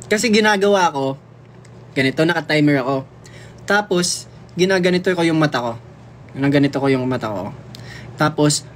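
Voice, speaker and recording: A man's voice: fairly high pitch, slight background noise. Playful young man chatting on a livestream. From Philippines. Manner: playful, chatty, reads and answers comments aloud; switches freely between languages mid-sentence. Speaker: livestream host. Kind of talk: casual livestream chat.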